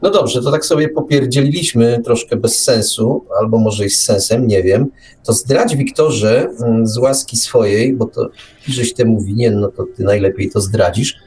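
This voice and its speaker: A man's voice: mid-range voice, moderate pace, a little mellow. A man co-hosting a casual radio show, rambling and wry, often repeating his words as he teases his partner. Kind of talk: casual live radio chat.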